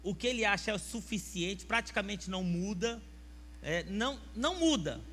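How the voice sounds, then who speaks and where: High bright Brazilian pastor preaching. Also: male voice, expressive, normal speed. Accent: Brazilian Portuguese. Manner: emphatic, fires rhetorical questions at the congregation. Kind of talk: sermon. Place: church sanctuary. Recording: church hall reverb with faint mains hum.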